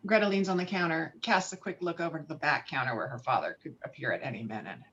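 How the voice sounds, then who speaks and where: A woman's voice: sits low, quick pace, a bit bright, highs cut off. A woman narrating screenplay stage directions with a dramatic, emphatic read on a video call.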